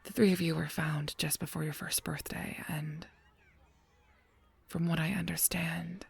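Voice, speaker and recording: Breathy, low-voiced solemn guardian angel played by a woman. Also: fairly even intonation, heavily acted. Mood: grave, careful. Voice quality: soft, breathy, often near a whisper. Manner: measured, halting, solemn delivery. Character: gentle, guarded female guardian angel counseling a fairy. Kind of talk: scripted audio roleplay drama.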